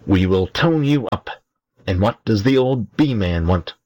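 A man voicing a tiny, lively male imp who teases and mocks, with a husky voice. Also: fairly low pitch, a little slow. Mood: mocking. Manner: teasing, mocking.

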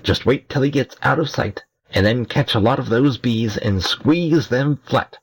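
A man voicing a tiny, lively male imp who teases and mocks, with a husky voice. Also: mid-range voice, unhurried, pitched above the performer's own voice. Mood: mocking. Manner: teasing, mocking.

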